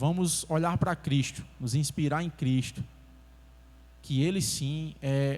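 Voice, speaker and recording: Somewhat breathy and fairly high-pitched, a man talks at a fairly slow pace with fairly even intonation. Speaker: deacon preaching. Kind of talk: sermon.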